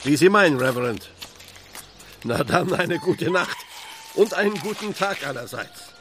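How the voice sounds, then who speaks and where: Plain-spoken village innkeeper, highish voice. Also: male voice, expressive, a little slow, noisy background. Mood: respectful. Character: firm but deferential village innkeeper. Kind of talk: German radio play acting.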